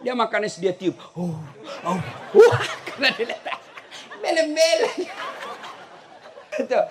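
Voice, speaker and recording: A middle-aged male preacher, giving a humorous religious lecture and telling stories with shouts and laughter. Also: very high voice, unhurried, some chatter behind, slight background noise. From South Sulawesi. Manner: animated storytelling, bursts into shouts and laughter.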